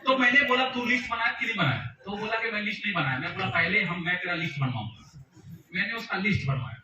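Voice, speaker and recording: At a business meeting in a large hall, a motivational speaker tells a story to a live audience, acting out the dialogue in changed voices. His high voice is animated, fast, pushed and bright, and the lo-fi recording is echoey and noisy from a distant mic.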